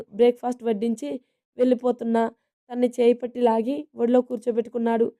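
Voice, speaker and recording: A woman narrating a romantic family story in a steady, even reading manner. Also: on the high side.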